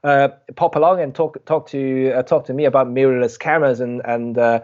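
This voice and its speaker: A man's voice: mid-range voice, fairly even intonation, fairly quick, darkish tone. A man chatting casually as a guest photographer on a live stream, rambling with many fillers and restarts. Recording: dull lo-fi stream audio.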